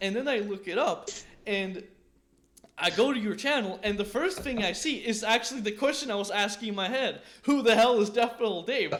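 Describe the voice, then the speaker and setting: A man talks at a fairly quick pace with a slight Swedish accent. His voice is high-pitched, with ordinary pitch variation. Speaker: YouTuber interviewer. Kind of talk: casual interview.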